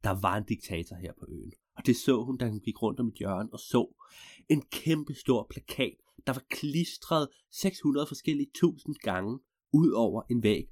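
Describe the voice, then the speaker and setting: A man telling an improvised story in a rambling, digressive way with deadpan asides. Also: medium pitch, no echo, clean studio sound.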